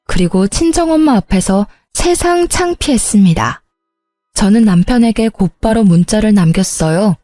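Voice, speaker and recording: Woman telling her own story, mellow dark voice, dry close sound, bit bitter. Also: medium pitch, no echo. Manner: resentful confessional tone. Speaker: narrator. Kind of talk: first-person storytelling narration.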